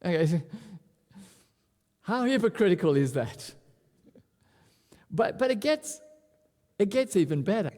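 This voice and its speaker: High, lively preacher at a pulpit microphone. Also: male voice, unhurried, long pauses, in a large hall. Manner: animated, repeats words as he restarts. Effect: speaking at a pulpit microphone. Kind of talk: expository sermon.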